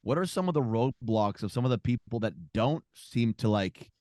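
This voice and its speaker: A man's voice: mid-range voice, animated, normal speed, a little mellow, no echo. Brief: male podcast host, rambling interviewer, dry close recording. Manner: rambling questions with fillers. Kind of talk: casual interview.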